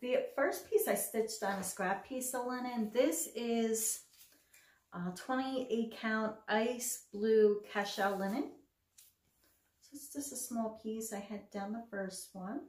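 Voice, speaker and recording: A woman's voice: fairly high pitch, takes it slowly, a little mellow. Middle-aged woman hosting a casual crafting vlog; upbeat show-and-tell, recorded in a roomy, echoey space. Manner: chatty, self-deprecating, enthusiastic. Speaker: cross stitch vlogger. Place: home craft room.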